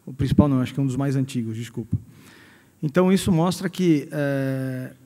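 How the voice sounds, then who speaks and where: Male executive speaker, Brazilian accent, middle-aged; soft-edged, relaxed tone, halting delivery, long hall reverb. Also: medium pitch. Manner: hesitant, repeating words as he searches. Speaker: company president giving a guest lecture. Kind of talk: personal career talk to an audience. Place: large hall at a university event.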